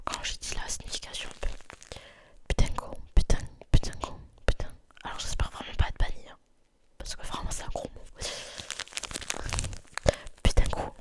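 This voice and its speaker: A young woman from France, whispering softly in an ASMR video and repeating words over and over in a dimly lit room. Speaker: ASMR creator.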